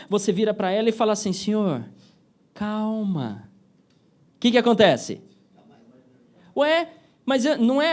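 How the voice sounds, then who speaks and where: A man with a Brazilian accent giving an interactive motivational talk, often asking the audience yes or no and acting out little everyday scenes. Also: high voice. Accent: Brazilian Portuguese. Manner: lively, asks the audience yes-or-no questions, acts out little scenes.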